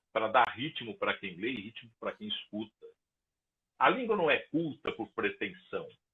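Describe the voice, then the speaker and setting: The speaker goes at a fairly slow pace, and the loudness swings widely. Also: man. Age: 60s. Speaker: radio presenter and commentator. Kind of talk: casual interview chat.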